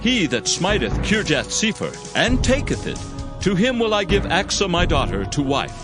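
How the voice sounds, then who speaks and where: A man's voice: sits high, very animated, moderate pace, over music. An actor playing a commanding tribal war leader and father, declaiming in a dramatized scripture recording. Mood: proclaiming. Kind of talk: dramatized audio scripture acting.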